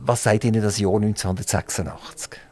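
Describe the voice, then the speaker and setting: Chatty Swiss German radio host. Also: male voice, on the low side, fairly even intonation, fairly quick, a little mellow. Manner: chatty, jokey, asks many follow-up questions. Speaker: radio interviewer. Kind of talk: radio interview. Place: radio studio.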